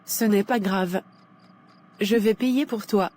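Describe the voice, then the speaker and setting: A woman's voice: mid-range voice, takes it slowly, a little mellow. A woman voicing a caring, reassuring young friend in a Christian cartoon. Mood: comforting. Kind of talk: French Christian animation voice acting.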